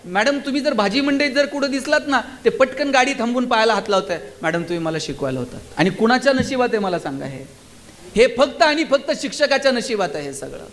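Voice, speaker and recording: A man's voice: extremely high pitch, expressive, a little fast, fairly bright tone, a little hiss or hum. A man giving a passionate stage speech to students and teachers at a school gathering. He keeps asking the audience rhetorical questions. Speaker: motivational speaker.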